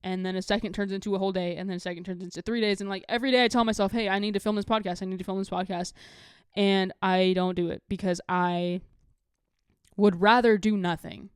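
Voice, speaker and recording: A young woman in her late teens chats as a solo podcast host in a smooth, clear voice at a medium pitch. The recording is close and dry. Her delivery is casual and confessional, rambling along with lots of filler "like". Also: steady tone, fast, no room sound. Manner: rambling, heavy use of "like", candid.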